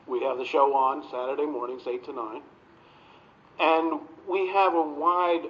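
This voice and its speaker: A man speaking at a town board meeting during public comment, pressing the members with pointed, insistent questions. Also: mid-range voice. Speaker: resident addressing a town board. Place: town hall meeting room. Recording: muffled lo-fi phone video.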